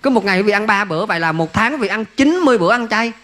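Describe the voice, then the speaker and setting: A man's voice: high-pitched, lively intonation, very fast, fairly bright tone. A man, a monk giving a folksy dharma talk that keeps asking listeners rhetorical questions. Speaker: Buddhist monk teacher.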